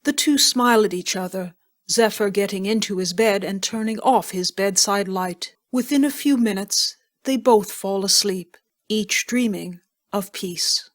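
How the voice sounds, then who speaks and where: A female audio-drama narrator reads scripted scene directions in a mid-pitched voice, measured and descriptive.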